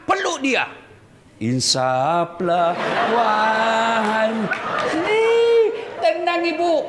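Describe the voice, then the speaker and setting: A man preaching a humorous sermon to a live audience, teasing and addressing listeners directly. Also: very high-pitched. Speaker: Islamic preacher. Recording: echoey hall with crowd noise.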